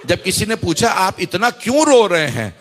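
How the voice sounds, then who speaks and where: A man delivering an emotional mourning sermon, his voice climbing into high chanted wailing as he recounts the story. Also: very animated. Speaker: Shia cleric giving a majlis. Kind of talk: emotional Urdu majlis sermon.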